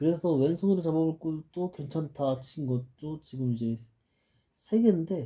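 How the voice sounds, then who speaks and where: This man has a dark, mellow tone and a fairly high pitch. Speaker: model kit hobbyist video host. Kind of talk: casual vlog talk. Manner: not always clearly articulated.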